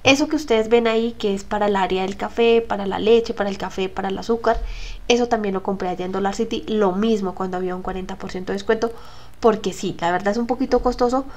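A woman's voice: medium pitch, fairly even intonation, quick pace. A young woman, talking viewers through her kitchen organizing in a casual, chatty voice-over full of asides and fillers. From Colombia. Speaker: home vlogger.

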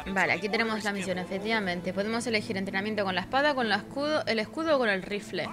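Casting note: sleepy woman gamer, talkative and foul-mouthed, dramatic in fights, game music clear underneath. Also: mid-range voice, fast talker. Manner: chatty, swears freely, dramatic cries for help during fights. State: tired, sleepy. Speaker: gameplay streamer. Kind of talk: casual gameplay commentary.

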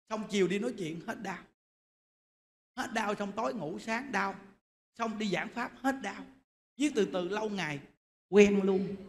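A man delivers a Buddhist sermon, animated and chatty with his audience. His voice sits high and sounds bright and sharp. The recording carries a long hall reverb and a faint hiss. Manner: lively, animated storytelling, addresses the audience directly. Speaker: Buddhist monk giving a dharma talk. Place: temple hall. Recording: echoey hall with faint noise.

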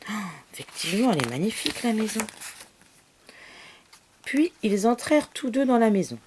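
A woman reading a children's story aloud expressively, with soft whispered asides to the listening child. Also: fairly high pitch, sing-song, moderate pace, a little hiss or hum.

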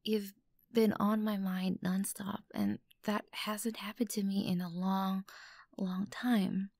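A woman's voice: medium pitch, little pitch movement, a little mellow, no echo, studio quality. A woman playing an obsessive, unstable young stalker girlfriend in an intimate ASMR roleplay, sweet and menacing by turns. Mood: nervous coaxing. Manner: breathy whispers, halting, swinging from coaxing to outbursts. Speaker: voice actor in audio roleplay.

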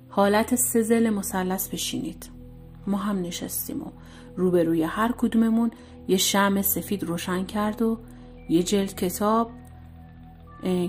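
A woman narrating a scary story in a hushed, suspenseful way. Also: mid-range voice. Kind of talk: scripted horror narration. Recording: faint music behind voice.

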